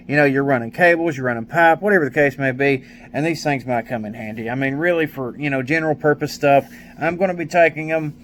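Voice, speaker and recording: A man with a slightly higher-than-average voice talks through a product informally. His delivery is folksy and rambling, full of everyday colloquial phrasing. There is some noise behind him. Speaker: product reviewer, maintenance mechanic. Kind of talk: casual product review, informal chat. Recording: steady clear background noise.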